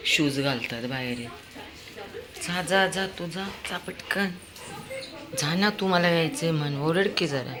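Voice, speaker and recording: A woman filming at her apartment building on a handheld phone, coaxing and scolding her dog and often jumping high in pitch to urge him on. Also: measured pace, pauses often, crowd noise. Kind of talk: casual home video talking to her dog. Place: apartment building, hallways and lift area.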